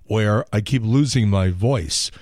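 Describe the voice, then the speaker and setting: A middle-aged radio and podcast host who sounds hoarse, talking in a wry, sarcastic, rambling comic monologue. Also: male voice, on the low side, slow, darkish tone, no echo, studio quality. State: hoarse from laryngitis.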